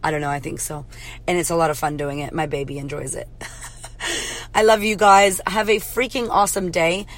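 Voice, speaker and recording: A woman hosts a podcast in a casual, punchy monologue, her voice husky and a little hoarse. She sits slightly low in pitch and swears freely as she urges listeners to know their worth. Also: fairly even intonation, normal speed. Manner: blunt, swears freely, motivational. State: hoarse from karaoke. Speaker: podcast host, confidence coach. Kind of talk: casual pep-talk monologue.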